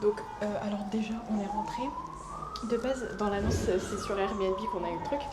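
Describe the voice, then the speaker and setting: A woman's voice: mid-range voice, steady tone, normal speed, very noisy. A young woman with a cold, chatting casually to viewers in a travel vlog and filling her talk with little fillers as she shows a city and then an apartment. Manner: chatty, addressing viewers directly, frequent fillers. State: has a cold. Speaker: vlogger. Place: outdoors by a city seafront, then indoors in an apartment.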